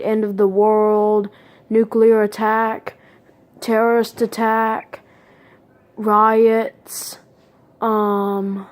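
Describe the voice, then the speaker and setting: A woman talking casually to viewers as a video creator, in a halting way, listing things one by one. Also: a little high, a little mellow. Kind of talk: casual unscripted vlog talk.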